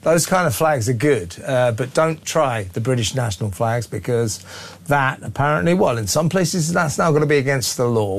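A man hosting a radio phone-in show, opinionated and quick to cut in on callers. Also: a little high, creaky. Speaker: radio talk show host.

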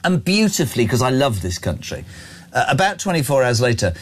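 A man's voice: medium pitch, big pitch swings, fairly quick, breathy edge. Brash, teasing male talk host. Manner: playful, mock-serious, ribbing the guest. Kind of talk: brash teasing radio chat.

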